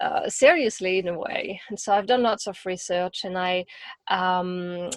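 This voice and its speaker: A woman with a French accent speaks at a fairly slow pace in a medium pitch. Her intonation stays fairly even, and the recording is very clean with a silent background. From France. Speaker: parenting coach. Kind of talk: interview. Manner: slow-paced.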